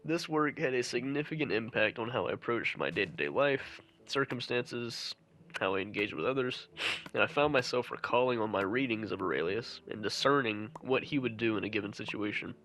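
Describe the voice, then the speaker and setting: A young man with a stuffy, nasal voice, sniffling as he gives an earnest, measured reflective monologue, with some restarts. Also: mid-range voice, animated, fairly bright tone, low-quality recording. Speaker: channel host.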